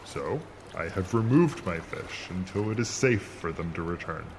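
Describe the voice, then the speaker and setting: A deep-voiced, immortal sea monster, stern and vengeful. The speech is grand and formal, full of scorn for mortals, with watery noise clearly behind it in this audio drama. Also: male voice, expressive, moderate pace. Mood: solemn, grave.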